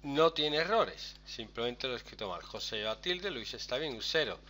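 A man's voice: mid-range voice, normal speed. A man, teaching a class in a chatty, step-by-step way and often checking in with his students. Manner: lively, chatty, explains step by step with frequent "¿vale?". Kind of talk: screen-recorded software lesson.

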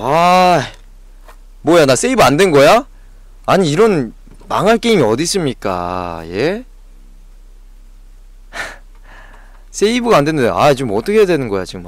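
A man's voice: a little high, dry recording. A male game streamer giving frantic live commentary on a horror game, jumpy and swearing at the scares.

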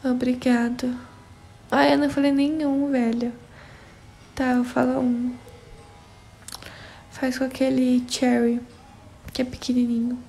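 This is a young adult woman with a São Paulo Portuguese accent, hosting a relaxed phone livestream where she answers viewers by name as she reads their comments. Her high, level voice is mellow, with vocal fry, a measured pace and long pauses.

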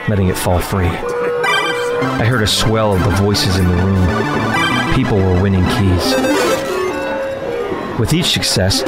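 An actor playing an uneasy man trapped in a deadly game, narrating a horror audio drama in a tense, dramatic way. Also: low voice. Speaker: narrator and lead character. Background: loud music.

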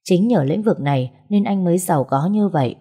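Woman storyteller, low and husky, mellow, steady late-night narration. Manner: steady, measured reading.

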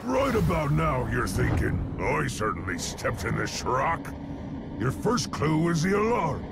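A man playing a brutal, boastful orc captain in a video game, gravelly, scornful and theatrical. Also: mid-range voice, wildly swooping pitch, measured pace, exaggerated voice. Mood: smug menace. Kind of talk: video game villain acting. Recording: loud music behind the voice.

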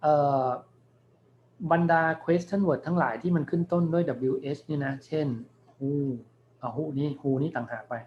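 A male university lecturer giving a recorded class, explaining patiently and reading English words slowly for his students. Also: fairly high pitch, lo-fi sound, slight background noise. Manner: explains patiently, thinking aloud with many polite particles.

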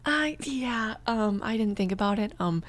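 A woman playing a tender, flustered mafia boss in an ASMR roleplay, speaking softly and haltingly, often near a whisper. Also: medium pitch, expressive, no echo. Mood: flustered, gentle. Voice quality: soft, creaky, breathy whispering at times. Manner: hesitant, reassuring, halting. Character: protective young female mafia boss, tender, flustered, apologetic.

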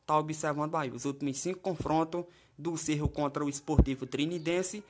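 Chatty man with a fairly high voice. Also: fairly even intonation, fairly quick. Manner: chatty, keeps asking "tá certo?" and "né?". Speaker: football betting tipster. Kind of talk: casual screen-share commentary. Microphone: voice-over over a phone screen.

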